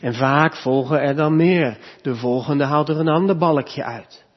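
A man preaching a sermon as pastor, with emphatic delivery that rises and grows louder on key points, recorded in a church. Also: on the high side, measured pace, in a large hall, dull audio.

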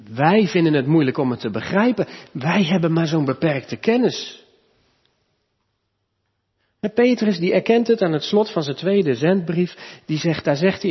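A man preaching a sermon as pastor, with emphatic delivery that rises and grows louder on key points, recorded in a church. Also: on the high side, slightly rough, big-room sound, lo-fi sound.

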